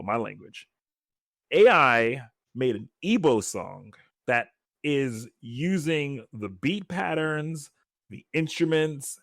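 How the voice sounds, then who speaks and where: A man co-hosting a podcast in casual chat, talking in an animated, excitable way as he works through his ideas. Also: mid-range voice, no room sound, clean studio sound. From West Africa. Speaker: podcast co-host.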